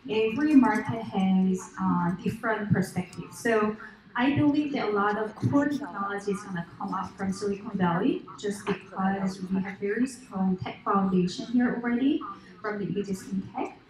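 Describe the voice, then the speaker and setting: A woman's voice: medium pitch, moderate pace, a crowd in the background. A woman in her thirties whose first language is Korean, speaking on a conference panel with many fillers and light laughs. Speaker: panelist, fund partner. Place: large conference hall. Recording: echoey hall.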